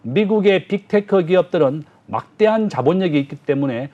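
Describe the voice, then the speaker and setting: Lively-voiced male professor explaining markets. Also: sits high, dull audio. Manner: measured and explanatory, frequent "uh" fillers. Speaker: business professor, guest analyst. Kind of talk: explanatory economic commentary.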